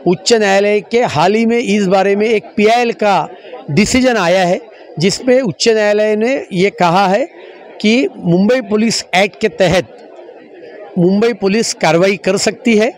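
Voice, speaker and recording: A man's voice: sits high, measured pace, a faint crowd, a little hiss or hum. A male politician giving an emphatic, explanatory statement to the press.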